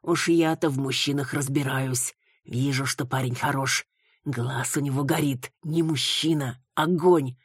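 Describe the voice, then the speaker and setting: A woman's voice: rumbling low, steady tone, a little slow, slightly rough, no room sound, studio quality, exaggerated voice. A woman reading an audiobook, voicing a nosy elderly woman who lectures and gives advice. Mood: scolding. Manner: lecturing, prying.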